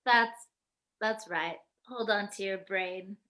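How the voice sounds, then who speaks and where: A woman's voice: medium pitch, slow, pushed and bright. A woman playing a friendly, merry village woman at a festival, in a virtual table read of a film script. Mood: encouraging.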